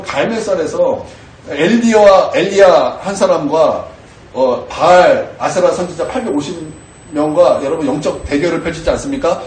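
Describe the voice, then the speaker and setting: A man with a high voice preaching a sermon, his delivery climbing into loud, shouted declarations. He is heard from a distance in a reverberant church, with a faint hiss underneath. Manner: preaching with rising shouted exclamations. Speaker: pastor. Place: church sanctuary. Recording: echoey room from far off with faint noise.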